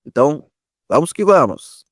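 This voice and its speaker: A man's voice: a little high, very animated, moderate pace, no echo, clean studio sound. A Brazilian man co-hosting a podcast, chatting and giving his opinions as a sports commentator.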